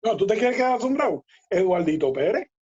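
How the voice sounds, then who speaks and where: A man, a guest telling lively baseball anecdotes in a casual interview, laughing and acting out quoted dialogue. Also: high-pitched, fairly quick, husky. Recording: dull lo-fi audio.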